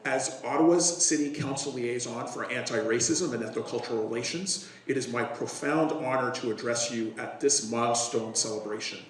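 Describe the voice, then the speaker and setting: A man's voice: mid-range voice, a little hiss or hum. A man, a city councillor, giving formal remarks at a ceremony, his voice strained from a recent illness and hesitant with fillers. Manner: hesitant with many fillers when speaking off the cuff. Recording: roomy hall, distant microphone, faint ambience.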